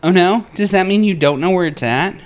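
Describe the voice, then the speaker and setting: Man voicing a perky, higher-pitched young woman. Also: brisk, lightly acted. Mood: perky, eager. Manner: perky, casual. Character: upbeat, eager young woman travel companion.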